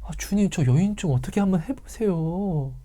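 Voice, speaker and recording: A man's voice: high voice, lively intonation, moderate pace, warm tone, voice pushed up. A man doing grumbling, exasperated disciples. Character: exasperated male disciples complaining about a loud woman.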